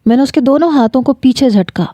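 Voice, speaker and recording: Female storyteller, first-person narration, dramatic and emotional, warm tone. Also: high voice, dry recording.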